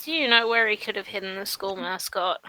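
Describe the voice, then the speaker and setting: A woman voicing an aggrieved teenage adventuring-school student in a tabletop game, complaining earnestly and haltingly. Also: medium pitch, bright, forceful tone, voice pushed down, close to an everyday voice, low-quality recording. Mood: pleading.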